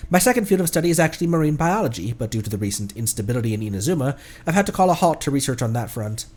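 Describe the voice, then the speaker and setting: A man voicing an earnest young male scholar in training, reading the game lines in a measured, explanatory way. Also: medium pitch, very animated, a little mellow. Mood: explaining.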